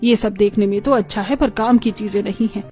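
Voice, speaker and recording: A woman's voice: mid-range voice, fairly even intonation, a little fast, darkish tone, soft background music, natural voice. A woman doing a strict, scolding mother-in-law. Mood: stern scolding. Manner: scolding, stern.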